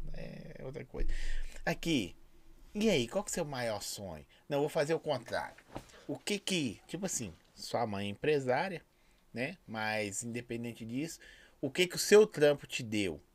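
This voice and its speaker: A fairly high-pitched man at a fairly slow pace, with very wide pitch swings and long, frequent pauses. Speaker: podcast host. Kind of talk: casual chat. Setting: studio. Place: studio. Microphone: studio mic.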